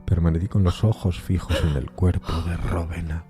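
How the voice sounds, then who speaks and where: A man giving a dramatic, theatrical literary narration of a gothic horror story, moving between hushed and emphatic phrasing. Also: sits low, fairly even intonation, normal speed, faint music behind. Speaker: podcast narrator reading a horror tale.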